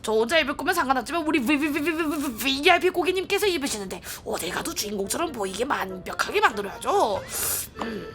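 A woman's voice: high voice, lively intonation, quick pace, few pauses, a bit bright, faint music behind. Game shop clerk, played by a woman: smug VIP saleswoman, polite customer service patter, gushing. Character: gushing, boastful female boutique clerk for VIP clients. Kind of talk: acted reading of game dialogue.

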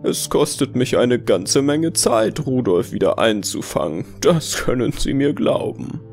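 A man's voice: medium pitch, big pitch swings, a little slow, creaky, a little mellow. A man playing a proud, delusional Santa in an audio horror drama, theatrically friendly and insistent. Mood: falsely friendly. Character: delusional, affable, proud self-believed real Santa man. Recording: music behind the voice.

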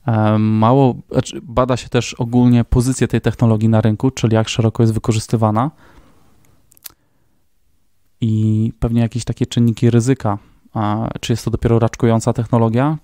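A male podcast host with a mellow, dark, mid-pitched voice, asking questions in a loose, jokey way with hesitant fillers. The recording is dry and close. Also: little pitch movement, fairly quick, dry recording. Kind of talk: casual interview conversation.

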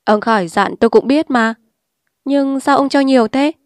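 A woman's voice: high voice, normal speed, no room sound, clean studio sound, voice pushed up, natural voice. A woman voicing a defiant, streetwise young woman who speaks bluntly and scornfully. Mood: brazen. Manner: blunt, scornful and sharp-tongued.

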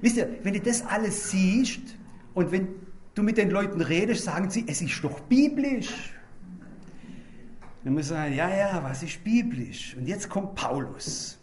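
An older man preaching a sermon, addressing the congregation directly with rhetorical questions and swinging between loud emphasis and quiet asides. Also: high voice, animated, moderate pace, slight background noise.

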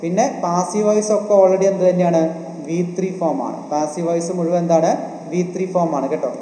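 Male exam coach with a Malayali accent, slightly high voice, drilling rules by repetition; roomy reverb. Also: fairly even intonation, a little fast, warm tone. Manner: repetitive, asks questions and answers them himself. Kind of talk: online grammar lesson. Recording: echoey room with faint noise.

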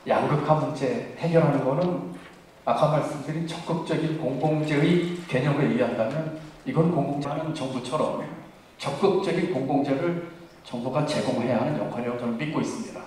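Measured man speaking in an echoey hall. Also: medium pitch, a little mellow, distant mic. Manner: measured, with frequent "eo" pauses. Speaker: speaker at a policy forum. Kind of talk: formal prepared speech. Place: large conference hall. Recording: echoey hall mic from afar, faint noise.

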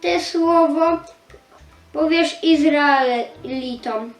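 A young female reader reading scripture dialogue aloud haltingly, stumbling over words syllable by syllable. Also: high-pitched, roomy sound.

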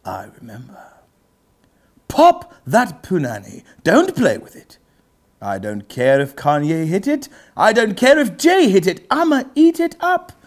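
A man in his thirties playing a pompous aristocratic gentleman host, giving a theatrical mock-literary dramatic reading of rap lyrics. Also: high-pitched, huge pitch swings, heavily acted. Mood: theatrical, savoring. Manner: pompous, theatrical, drawn-out pauses. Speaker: comedy show host. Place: book-lined indoor study set, seated.

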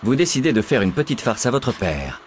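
A deadpan middle-aged schoolteacher from a video game, voiced by a man, reading exam questions with dry, matter-of-fact humor. His voice sits at an ordinary pitch for a man, with a faint hiss of noise behind it. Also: brisk, lightly acted. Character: middle-aged male vault teacher giving an exam. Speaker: exam proctor. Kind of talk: game character dialogue.

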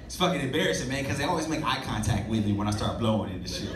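A man in his thirties doing a stand-up comedy set on a club stage with a handheld mic, loud and animated with profane punchlines. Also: mid-range voice, very fast, distant mic, heavy background noise. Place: comedy club stage before a live audience. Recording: roomy club audio, loud crowd laughter.

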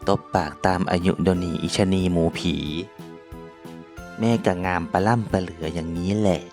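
A man's voice: low voice, steady tone, normal speed. A man voicing a bossy, crude middle-aged trans woman with an Isan accent in a cartoon dub. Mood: brash. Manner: bossy, crude, loud-mouthed. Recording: echoey with loud music.

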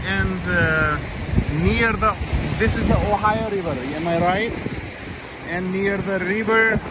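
A man from Nepal with a Nepali accent, narrating a travel vlog and chatting with a stranger outdoors by a fountain. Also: high-pitched. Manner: rapid, chatty narration with simple questions. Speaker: vlogger. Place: outdoors by a city fountain and river. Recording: outdoor phone audio, loud city and water noise.

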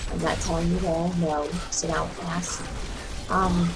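Young woman streamer, voice hoarse and raspy, chatty and cussing, loud game music behind her. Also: fairly low pitch, level tone, measured pace, low-quality recording. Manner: chatty, profane, talks to herself while playing. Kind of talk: casual gameplay commentary.

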